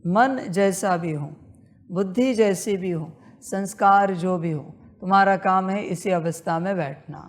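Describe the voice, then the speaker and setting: A woman leading a guided meditation, repeating her instructions in a slow, insistent spiritual talk. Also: mid-range voice.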